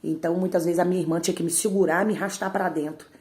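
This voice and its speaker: A woman's voice: on the low side, fairly even intonation, very fast, a little mellow. A woman giving an emotional spoken testimony and speaking straight to her audience. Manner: emotional, repeatedly addresses the audience directly.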